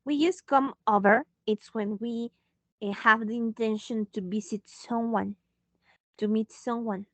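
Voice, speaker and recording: Woman English teacher, slow and patient delivery, fairly high voice, dull dry call audio. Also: steady tone, no room sound. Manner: slow, patient, switching into Spanish to explain. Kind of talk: online English lesson.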